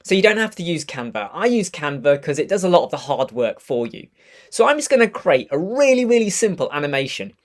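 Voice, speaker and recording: Croaky man hosting a live stream. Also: fairly high pitch, big pitch swings, brisk. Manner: upbeat and chatty, with restarts. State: croaky from a cold. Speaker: host of a web design live stream. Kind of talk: casual live tutorial chat. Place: home studio room with purple lighting.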